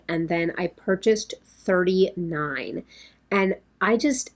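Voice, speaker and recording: A woman in her thirties, slightly hoarse, chatting casually to camera in a rambling way from her home makeup room. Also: on the low side. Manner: rambling, talks with her hands. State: a bit hoarse, losing her voice. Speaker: beauty vlogger.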